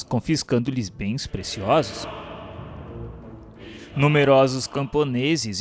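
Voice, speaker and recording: A man with a Brazilian accent reads scripted historical narration in a formal, solemn, measured delivery. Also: mid-range voice, slight background noise. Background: music bed.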